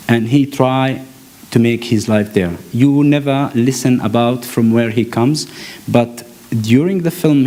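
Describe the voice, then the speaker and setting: A man from Palestine, giving an earnest conference talk, often pausing and restarting as he searches for words. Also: mid-range voice, mellow. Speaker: actor and panel speaker. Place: conference hall stage.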